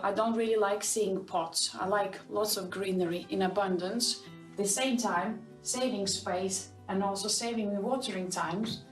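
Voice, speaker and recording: A woman's voice: medium pitch, far from the mic. Woman from Estonia, earnest home video tour, echoey room, recorded from afar, faint music behind. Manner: earnest, slightly non-native phrasing. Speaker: viewer showing her indoor garden. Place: home interior with plants.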